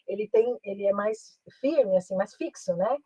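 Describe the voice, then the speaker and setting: A woman's voice: medium pitch, moderate pace, dark tone, husky, no room sound, rough recording. A woman with a Brazilian Portuguese accent, an English teacher giving an online master class in a chatty manner, often tagging her sentences with a question and slipping into English. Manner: chatty, peppers speech with "né?", switches into English.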